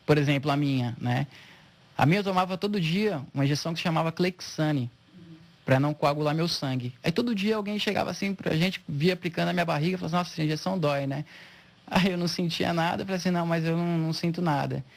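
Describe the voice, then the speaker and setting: A man in his thirties, a spinal injury patient, telling his recovery story with animated quoted dialogue. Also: on the high side, fast talker, gravelly. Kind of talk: emotional personal storytelling.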